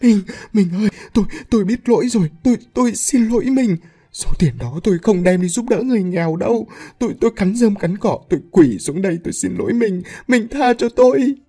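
A man's voice: sits high, animated, a little fast, mellow, husky, pitched above the performer's own voice, full character voice. A man voicing a frightened, tearful middle-aged wife who stammers and pleads for forgiveness. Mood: pleading.

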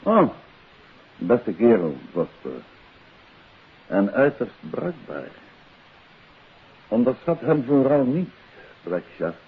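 An actor playing a courteous, composed detective who probes politely in a 1950s radio drama. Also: male voice, medium pitch, big pitch swings, husky, exaggerated voice. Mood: inquisitive. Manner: polite, measured, inquisitive. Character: composed, courteous male amateur detective, quietly probing. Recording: hissy, tinny 1950s radio recording.

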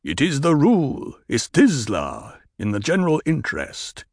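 A man voicing a gruff, blustering desert tribal leader who bellows insults. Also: medium pitch, wildly swooping pitch, moderate pace, darkish tone, no echo, studio quality, voice pushed up. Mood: stern.

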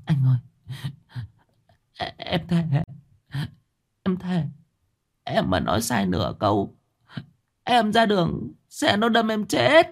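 A frightened young village wife from a spoken ghost story, pleading in a high, strained voice, as a male narrator puts her on. Her pitch swings widely as she begs to be believed, and the tone sounds thin and unlike an ordinary voice. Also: sing-song, slow, vocal fry, pauses often, full character voice. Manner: pleading, tearful, swearing oaths.

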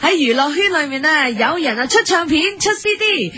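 A woman's voice: high-pitched, expressive, normal speed, pushed and bright, faint music behind. A woman hosting a comic entertainment-news segment, asking teasing questions in a chirpy manner. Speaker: entertainment show presenter.

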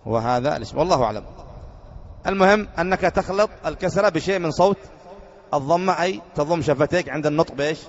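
A man's voice: on the high side, lively intonation, racing. A man teaching a classroom grammar lesson, quizzing his students with repeated questions. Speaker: sheikh teaching Arabic grammar. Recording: muffled recording in a reverberant hall.

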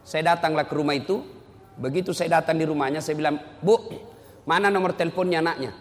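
Male preacher, high voice, animated sermon delivery, long hall echo. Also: quick pace. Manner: animated, swings between loud emphatic rises and low quiet drops. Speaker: Islamic preacher. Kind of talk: lively sermon with anecdotes.

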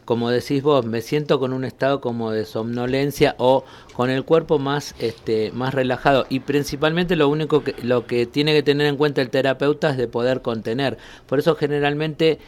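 A man, a guest on a radio show, explaining calmly and laughing easily. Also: mid-range voice, normal speed, hardly any pauses. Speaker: guest, movement therapist. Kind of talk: casual radio interview. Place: radio studio.

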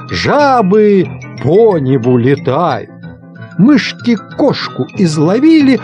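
A man reading a children's nonsense poem aloud in a playful, expressive way, acting out animal noises. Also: high voice. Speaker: storyteller.

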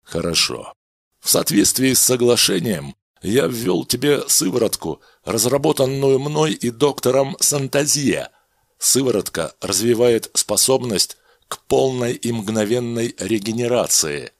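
A man doing a cold, calm doctor. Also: mid-range voice, no echo, clean studio sound. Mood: clinical. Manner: measured, clipped, commanding. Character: cold, calm male doctor, quietly menacing.

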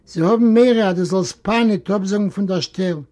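A young woman pleads with her uncle in an earnest, loving voice, as a man puts her on in an audiobook. The voice sits high and lifted, with a soft, mellow tone, and it presses forward a little louder than the narration around it. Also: fairly quick, lightly acted. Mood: pleading. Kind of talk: audiobook reading.

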